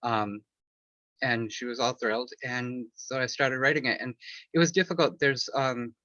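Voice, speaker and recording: An author appearing as an interview guest answers a question loosely and candidly about personal matters, rambling with many fillers and restarts. His medium-pitched voice is sharp with fairly even intonation at a moderate pace, and the dull lo-fi recording is dry, with no room sound.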